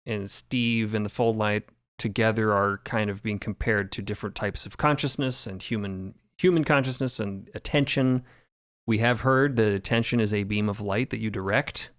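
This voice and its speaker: A man speaking in a measured, reflective way during a roundtable podcast discussion. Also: fairly low pitch, fairly even intonation, fairly bright tone, clean tone, dry recording, studio quality. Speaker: podcast creator and sound designer.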